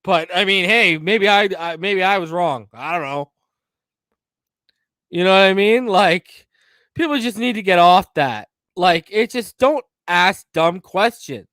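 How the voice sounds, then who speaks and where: A man hosting a live sports podcast, in a casual, heated, mocking rant that swings from mumbling to loud outbursts. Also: high voice, lively intonation, a little slow, no echo. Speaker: podcast host.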